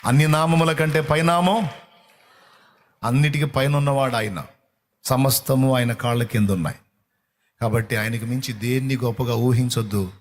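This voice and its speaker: A man's voice: medium pitch, normal speed, long pauses, a little hiss or hum. A middle-aged man preaching a sermon in a fervent, repetitive cadence. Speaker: pastor.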